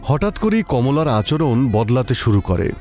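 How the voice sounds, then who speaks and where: A man giving a suspenseful, expressive narration of a scripted horror story. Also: mid-range voice, normal speed, faint music behind.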